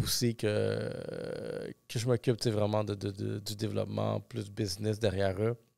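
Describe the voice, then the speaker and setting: On a very clean recording with a silent background, a man speaks with a Quebec accent. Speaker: podcast host. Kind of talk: casual interview conversation. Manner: hesitant, many fillers.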